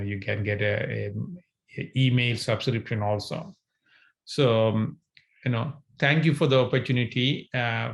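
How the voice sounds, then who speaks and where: A man in his forties from northern Sri Lanka, telling his life story to camera with many fillers and restarts, holding a mic at home. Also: on the low side. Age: 40s. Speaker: entrepreneur sharing his story. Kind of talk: casual talk to camera. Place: home room, indoors. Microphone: handheld mic, webcam framing.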